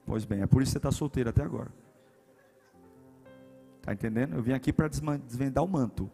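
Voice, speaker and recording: A man with a Brazilian Portuguese accent, a pastor preaching a humorous sermon, swinging between loud punchy lines and hushed ones. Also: medium pitch, fast, vocal fry, breathy edge, soft background music.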